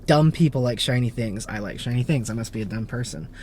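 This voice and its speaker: A man's voice: medium pitch, fast, a little mellow. Casual YouTube host in his thirties, midrange voice, rambling and self-deprecating, faint hum behind. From born in Japan, raised in the United States. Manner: chatty, self-deprecating, many fillers and restarts. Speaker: YouTube car channel host. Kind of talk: casual Q&A to camera.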